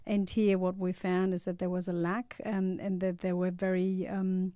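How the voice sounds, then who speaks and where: A woman's voice: lowish voice, little pitch movement, normal speed, dark tone, dry recording, clean studio sound. A woman in her forties with a blended Spanish, Australian and English accent, a startup founder talking as a podcast guest, with many fillers and repeated phrases. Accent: mixed Spanish, Australian and English. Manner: many fillers, repeats words, says "you know, sort of". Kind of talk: casual interview talk. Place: podcast studio.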